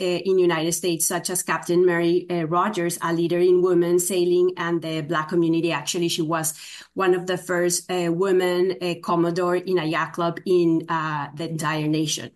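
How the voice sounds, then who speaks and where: A woman with a Spanish accent gives a formal presentation to a commission. Her voice sits a little low, and she speaks in a measured way, often pausing on "uh". The tone stays steady and informative. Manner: frequent "uh" fillers, measured delivery. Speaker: state agency program presenter.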